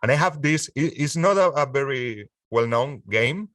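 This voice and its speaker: A Spanish man in his forties, a music producer speaking English as a second language in a casual interview, halting with frequent restarts and easy laughter. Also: mid-range voice, lively intonation, a bit bright, no echo, studio quality, recorded from a distance. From Spain.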